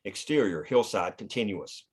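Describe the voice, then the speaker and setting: A man's voice: lowish voice, lively intonation, moderate pace, husky. A man reading scene headings and action lines as the narrator of a screenplay. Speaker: stage-direction reader.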